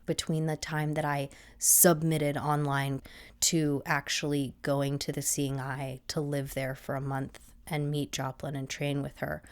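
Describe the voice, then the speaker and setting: A woman's voice: deep voice, flat delivery, a little slow, smooth. A young adult woman telling her story casually, acting out voices and laughing often. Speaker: podcast guest.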